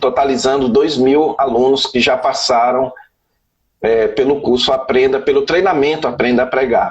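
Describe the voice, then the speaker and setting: Speaking with a Ceará accent, a man holds a medium pitch, ordinary pitch variation, very even loudness and a moderate pace. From Ceará, northeastern Brazil. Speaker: pastor. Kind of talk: casual live chat. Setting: video call.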